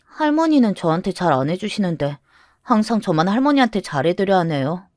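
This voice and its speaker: Storybook casting: a woman doing a stubborn young girl, lively and defiant, dry close mic. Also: fairly low pitch, fairly quick, no room sound. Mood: sulky. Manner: sulky, defiant. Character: teenage girl, resentful and stubborn.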